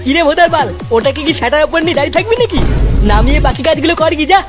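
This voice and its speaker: A man's voice: very high-pitched, expressive, very fast, over music. A man voicing a bad-tempered, foul-mouthed father who bosses and scolds everyone in a comic cartoon. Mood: irritated, bossy. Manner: scolding, swearing constantly.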